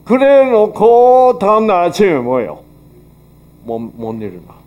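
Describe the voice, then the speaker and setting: A man lectures at a health seminar and weaves Bible teaching into his talk. He speaks slowly in a fairly high voice whose pitch swings widely. He keeps the tone conversational and checks in with his listeners through frequent rhetorical questions. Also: wildly swooping pitch, a little mellow. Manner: acts out quoted dialogue.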